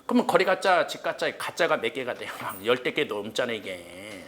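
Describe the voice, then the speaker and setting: A man teaching exam prep history in a cram school lecture room, firing questions at students and answering them himself, blunt and joking, with casual rough slang. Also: medium pitch, sing-song, normal speed, a bit bright, slight background noise.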